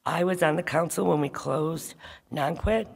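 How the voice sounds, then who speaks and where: A woman's voice: deep voice, moderate pace, vocal fry, husky. A woman town council member speaking firmly at a public meeting, insisting on her points and repeating them. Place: large school auditorium. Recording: long hall reverb.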